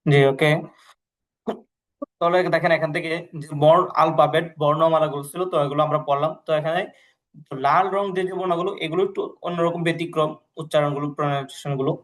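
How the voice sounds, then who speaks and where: A man's voice: fairly high pitch, steady tone, fast talker. A man teaching an English class, explaining patiently and repeating himself a lot. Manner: repetitive, patient, many fillers and pious phrases. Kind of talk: online language class, explaining to students.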